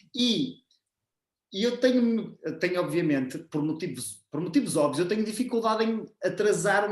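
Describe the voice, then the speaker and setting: A high-pitched man's voice in a European Portuguese accent. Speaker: podcast host. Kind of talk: interview conversation. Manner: fast.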